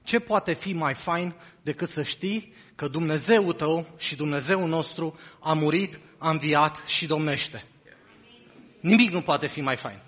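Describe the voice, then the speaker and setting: Man, pastor, sermon, higher voice, deliberate scripture reading, long hall reverb. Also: fairly bright tone. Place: church hall.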